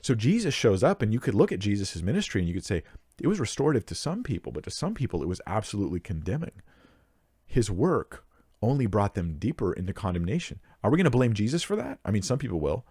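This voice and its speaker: Earnest low-voiced man answering a question. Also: big pitch swings, fast, dark tone, breathy edge, dry recording, clean studio sound. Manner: earnest, emphatic, thinks aloud with restarts and fillers. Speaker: Bible Q&A host. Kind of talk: answering a listener question to the mic. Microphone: close microphone.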